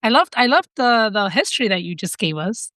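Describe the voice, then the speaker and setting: Female podcast host, mid pitch, supportive and affirming, dry recording. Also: very animated, fairly quick, fairly bright tone, no echo. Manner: encouraging, frequent affirmations. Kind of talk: casual interview.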